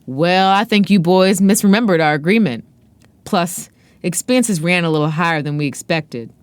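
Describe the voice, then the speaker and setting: A woman's voice: fairly low pitch, expressive, normal speed, smooth, no echo, lightly acted. A woman voicing a grinning, blustering fat white promoter with a falsely jovial drawl. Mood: condescending.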